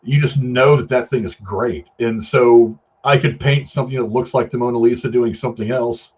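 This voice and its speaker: A middle-aged man casually giving his opinions in a film discussion, haltingly repeating and rephrasing himself for emphasis. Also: mid-range voice, fairly even intonation, a little mellow, husky. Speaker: film review show host. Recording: dull, lo-fi sound.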